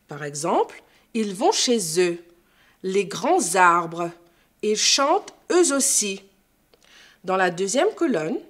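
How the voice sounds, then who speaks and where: A woman teacher giving a scripted lesson, explaining carefully and didactically. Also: mid-range voice. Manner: slow, careful, didactic delivery. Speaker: French teacher.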